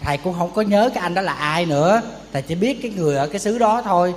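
A man's voice: sits high, quick pace, long reverb tail. A man giving a Buddhist sermon as a monk, telling stories in a chatty way and asking his listeners rhetorical questions. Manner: chatty storytelling, asks the audience rhetorical questions.

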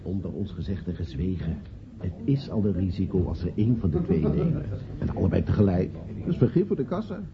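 An actor playing a pragmatic, calculating theatre boss in a Dutch radio drama, talking in a dry, conversational way. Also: male voice, deep voice, animated, fairly quick. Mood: wry, sceptical. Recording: muffled radio play recording, crowd murmur.

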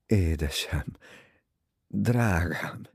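A man voicing an impulsive, passionate young man in an audiobook, lively and self-mocking. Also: low-pitched, creaky, husky, no echo, studio quality, full character voice. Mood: tender.

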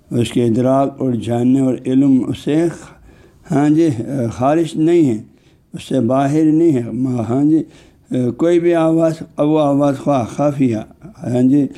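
In this religious lecture, a man who is an Islamic scholar breaks down terms word by word, often using fillers and slowly reciting Arabic passages. His pitch is medium and his tone dark.

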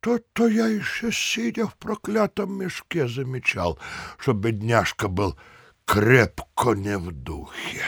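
A man's voice: mid-range voice, lively intonation, gravelly, a bit bright, husky, no room sound, clean studio sound, heavily acted. An actor playing a grumbling, simple village headman who muses and exclaims in an audio play. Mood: musing regret. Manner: slow, musing, exclamatory.

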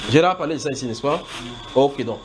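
A man with a Cameroonian accent teaching the Bible in an informal question-and-answer style, brisk and directive, often repeating himself. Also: medium pitch, lively intonation. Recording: clearly noisy amateur recording.

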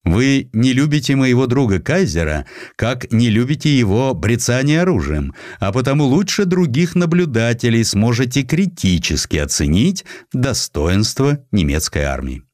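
A man's voice: mid-range voice, big pitch swings, moderate pace, hardly any pauses, darkish tone, dry recording, clean studio sound, voice pushed up, close to an everyday voice. A man playing a commanding, bluntly critical older Russian emperor in a dramatized audiobook. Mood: pointed.

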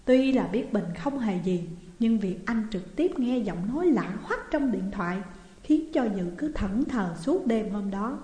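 A woman narrating a horror story in a measured, suspenseful way, recorded in an echoey room. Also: on the high side, dark tone. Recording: echoey room with long reverb.

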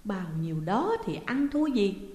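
A calm older man who runs the household, as a woman storyteller plays him, settling quarrels slowly and gently. His voice sits in a roomy space with a long reverb. It is an audio storybook. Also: medium pitch. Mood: placating. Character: calm, soothing older male master of the house.

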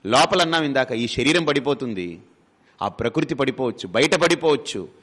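A man's voice: mid-range voice, lively intonation, moderate pace, a bit bright, slightly rough. A man giving a spiritual discourse, asking rhetorical questions and briefly acting out everyday speakers. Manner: rhetorical questions, acts out householders' quotes. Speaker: spiritual teacher. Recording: long hall reverb.

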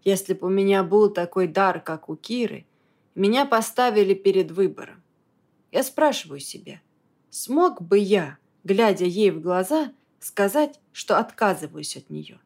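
A numb, grieving young man who talks low and hoarse in a flat, worn-out tone, as a female audiobook reader plays him. His words come slow and subdued. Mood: weary. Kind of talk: audiobook character voice.

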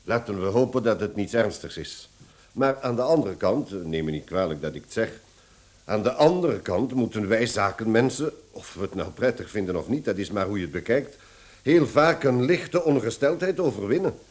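An actor in a radio play playing an officious, stern chief clerk who speaks formally and reproachfully. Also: male voice, on the low side, animated, moderate pace, a little mellow, natural voice. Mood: condescending. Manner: formal, pompous. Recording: echoey, slightly noisy radio drama recording.

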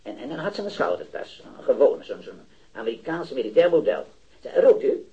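A man's voice: medium pitch, sing-song, mellow, highs cut off, lightly acted. An actor playing a hesitant male eyewitness in his thirties who stammers and repeats himself, in a radio drama. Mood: unsure, rambling. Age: 30s. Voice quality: halting, stammering, repeats words. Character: hesitant male metal worker, early thirties, eager eyewitness. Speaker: eyewitness to a robbery. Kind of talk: 1970s radio drama acting.

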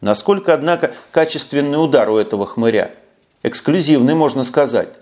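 A man narrates a first-person novel for an audiobook. His delivery is wry and conversational. His pitch sits in an ordinary middle range. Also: lively intonation, brisk, a little mellow.

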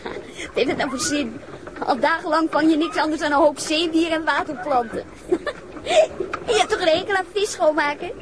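An actress playing a cheerful, teasing young daughter on holiday, talking playfully and casually in a naturalistic drama. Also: female voice, high-pitched, moderate pace, very noisy, close to an everyday voice.

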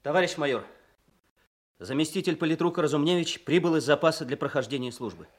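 An actor playing an eager, indignant army political officer in a war radio drama, with a husky voice. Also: male voice, on the high side, quick pace, lightly acted. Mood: brisk, eager.

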